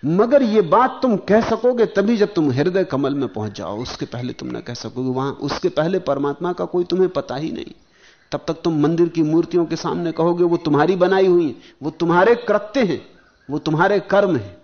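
A man giving a spiritual discourse, speaking in slow rhythmic phrases that swell and sink, and chanting verses slowly. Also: on the high side, dull audio. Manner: slow, rhythmic, rising and falling emphasis. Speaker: spiritual teacher.

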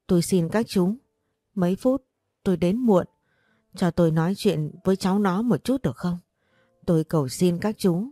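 A woman's voice: fairly low pitch, normal speed, long pauses, mellow, no echo, studio quality, natural voice. A woman voicing a grieving grandmother near sixty, pleading and tearful. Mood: wailing.

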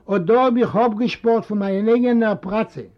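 A stubborn old father, put on by a male reader, hollering his refusals at a high, strained pitch. He is proud and indignant and repeats himself as he digs in. The recording is dull and lo-fi. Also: moderate pace, lightly acted. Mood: defiant shouting. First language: Yiddish.

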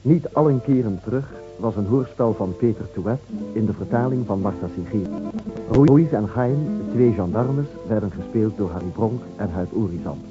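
A man reading scripted credits as a radio announcer, formal and deliberate. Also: lowish voice, music in the background. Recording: muffled old radio recording.

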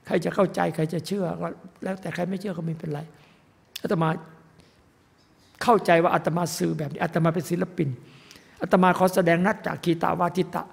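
A man's voice: high-pitched, creaky, husky. An older man, a monk, preaching a sermon in an emphatic, rambling way, repeating himself for emphasis. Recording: echoey hall.

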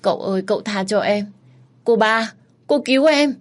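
A woman's voice: medium pitch, measured pace, voice pushed up, lightly acted. A woman voicing a frightened young maidservant, begging tearfully in a spoken story. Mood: pleading.

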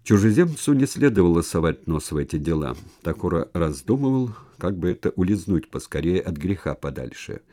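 A man narrating a historical novel as an audiobook in an even storytelling manner. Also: low voice, normal speed, hardly any pauses. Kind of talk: scripted narration.

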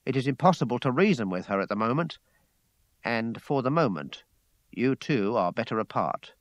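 A man's voice: medium pitch, big pitch swings, moderate pace, dry recording, lightly acted. A man voicing a troubled, dignified lady reading out her letter in a grave, formal manner. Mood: grave, worried. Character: troubled, dignified mother, a lady of rank, writing.

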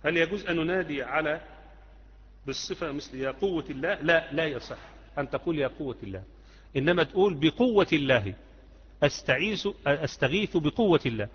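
A fast-talking Egyptian man teaches a religious lesson in a hall with a long, ringing reverb. His voice sits a little high and comes across muffled and dull. He keeps it conversational, tossing questions back to his listeners. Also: animated, a bit bright. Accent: Egyptian Arabic. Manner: conversational, asks students rhetorical questions. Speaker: Islamic creed teacher.

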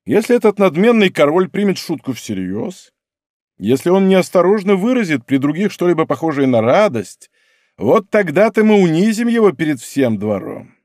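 A man's voice: high-pitched, very animated, moderate pace, darkish tone, no echo, clean studio sound, voice pushed up. A man reading an audiobook, voicing a proud king who speaks coldly and sarcastically. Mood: cold mockery. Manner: cold, sarcastic, restrained. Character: cold, proud, mocking young king.

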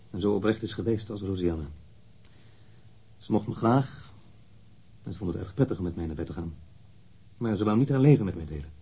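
A husky, low-voiced defensive lover. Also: male voice, mellow, heavily acted. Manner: blunt, indignant, candid. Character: defensive, wounded male lover questioned by police. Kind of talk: radio drama dialogue.

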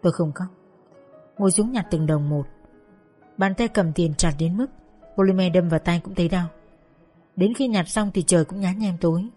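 A young woman narrating her own story in the first person, in a steady, confessional way. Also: lowish voice, moderate pace, long pauses, slightly rough, soft background music. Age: young adult.

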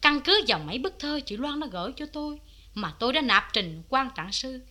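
A woman's voice: high voice, very animated, brisk, pushed and bright, heavily acted. An actress playing a sincere young woman testifying for her childhood friend in a cải lương drama. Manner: earnest, composed testimony.

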